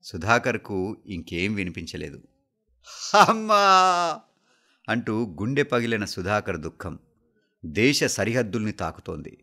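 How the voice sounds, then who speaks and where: A man with a Telangana accent reading a story aloud for the radio in a steady, measured way. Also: lowish voice. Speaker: story reader.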